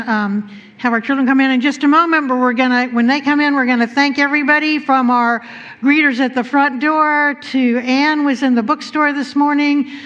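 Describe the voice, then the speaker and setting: A woman's fairly high voice carries through a long, hall-like reverb, slightly dulled by the recording. She leads a church service, offering blessings and announcements in measured, reverent phrasing. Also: fairly bright tone, highs cut off.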